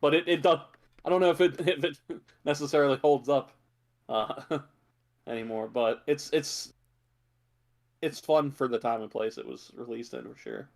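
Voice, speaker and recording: A man's voice: medium pitch, fairly even intonation, moderate pace, gravelly. A man co-hosting a podcast, chatting casually about films and shows, thinking aloud as he goes. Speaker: podcast co-host.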